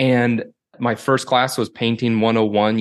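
A man with an American accent speaks at a fairly low pitch with ordinary pitch variation. It is a plain, everyday voice against a quiet background. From US Pacific Northwest (Puyallup, Washington). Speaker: artist. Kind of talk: casual interview.

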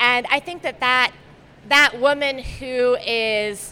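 A woman's raised, projected voice with a New York accent and a bright, sharp tone. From New York, Queens. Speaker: radio journalist and memoirist. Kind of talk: live panel interview. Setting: stage with audience.

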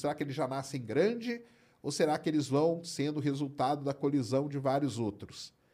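The voice is somewhat breathy, with a dark, mellow tone and a moderate pace. The recording is very clean, with a silent background. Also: man. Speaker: science podcast host. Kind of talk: casual chat. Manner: animated.

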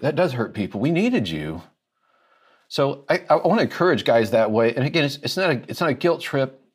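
A man with an American accent, vocal fry and very wide pitch swings, at a fairly quick pace, on a very clean recording with a silent background. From Central Illinois. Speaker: radio host and author. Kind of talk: casual interview chat.

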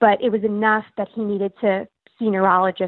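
The speaker is a woman with a plain, everyday voice at a fairly high pitch. She talks at a moderate pace. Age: 20s. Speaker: runner sharing personal story. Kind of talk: personal testimony.

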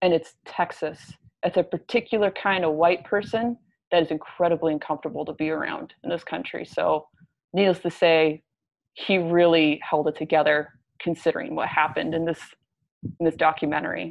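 With an American accent, a woman speaks in an ordinary speaking voice, fairly low in pitch and fairly quick, with ordinary pitch variation. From Utah, US. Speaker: film critic. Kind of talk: casual chat.

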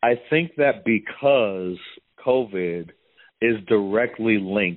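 A man with a plain, everyday voice, fairly low in pitch, with ordinary pitch variation. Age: 40s. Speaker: hip hop music producer. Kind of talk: casual chat.

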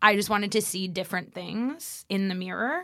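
A woman with an American accent has an ordinary speaking voice at a medium pitch with ordinary pitch variation. The recording is very clean, with a silent background. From Los Angeles. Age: 20s. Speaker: comedian and actress. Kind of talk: casual interview chat.

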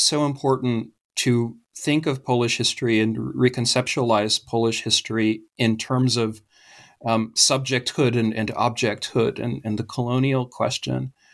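The recording is very clean with a silent background, and a man speaks in an ordinary speaking voice at medium pitch. His intonation is fairly even and his pace fairly slow. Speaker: podcast host. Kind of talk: interview, academic Q&A.

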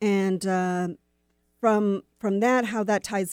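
An unremarkable speaking voice with fairly even intonation comes through a very clean recording, dry and close with no echo and a silent background. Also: woman. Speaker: campaign advocate. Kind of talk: interview.

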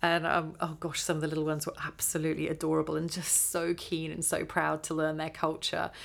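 A woman with a southern English accent and a fairly low pitch speaks with vocal fry at a moderate pace on a very clean recording with a silent background. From West Country of England. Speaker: orchestra founder and violist. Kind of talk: interview conversation.

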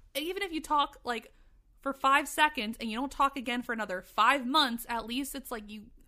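Animated and bright, a woman with a high pitch talks at a fairly quick pace in a raised, projected voice with a sharp edge and big swings in loudness. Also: ordinary pitch variation. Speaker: podcast co-host. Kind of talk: casual chat.

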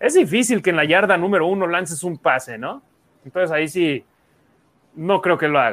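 The very clean recording, with its silent background, carries speech delivered at a moderate pace. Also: man. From US, East Los Angeles. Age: 30s. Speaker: sports podcast host. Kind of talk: casual sports talk show.

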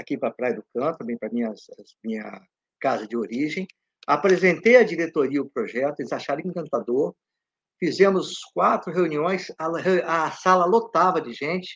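Using a plain, everyday voice, a man talks at a moderate pace in a fairly high pitch with lively intonation and big swings in loudness, captured in a dry, close sound with no echo. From Brazil, Espírito Santo. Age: 60s. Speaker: pediatrician and hospital chaplaincy coordinator. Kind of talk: interview. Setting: live stream.

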